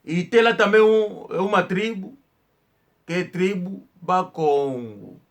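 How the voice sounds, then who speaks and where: Um homem que conta história num tom informal, falando de forma enfática, com repetições e hesitações. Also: male voice, high voice. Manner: slow, emphatic storytelling with hesitations and repetitions. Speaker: channel host. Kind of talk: informal history talk.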